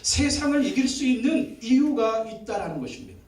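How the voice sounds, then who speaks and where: A man's voice: very high voice, sing-song, fairly quick, darkish tone. A man preaching a Sunday sermon as pastor, building up to emphatic repeated declarations. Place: church sanctuary. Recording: echoey church hall, voice from a distant mic.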